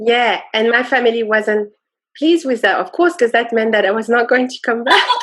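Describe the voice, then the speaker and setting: With a French accent, a woman talks fairly quickly in a fairly high voice, her pitch varying in an ordinary way. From France. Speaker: spiritual entrepreneur. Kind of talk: interview answer.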